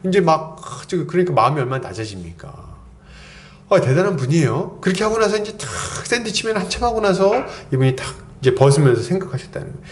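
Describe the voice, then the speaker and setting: A middle-aged man preaches to his congregation in a chatty, playful way. His voice sits a little high and swings widely in pitch. He slips into quick mock quotes to make a point. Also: very animated. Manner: conversational preaching with playful acted quotes and asides. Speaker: pastor. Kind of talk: expository sermon.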